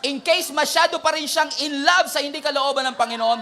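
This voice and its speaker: A male pastor with a Filipino accent preaching a sermon, mixing Tagalog and English, loud and emphatic. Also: very high-pitched, a little fast, a little hiss or hum.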